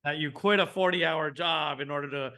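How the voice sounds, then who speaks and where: A man, telling his business story as a guest in a casual interview, animated and often restarting his sentences. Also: fairly high pitch, brisk. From Venezuela. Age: 40s. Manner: animated, frequent restarts, acts out his own thoughts. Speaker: guest entrepreneur.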